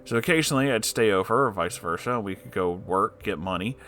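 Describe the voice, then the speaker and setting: Guy w a lowish voice narrating internet stories, expressive, kinda sweary and incredulous. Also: fast, a little hiss or hum. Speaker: narrator reading online stories aloud. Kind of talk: dramatic story reading with candid asides.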